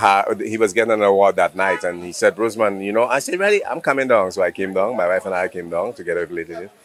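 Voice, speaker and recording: Barely pausing, a man with a Saint Lucian accent talks very fast in an animated tone. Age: 60s. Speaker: singer. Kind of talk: interview.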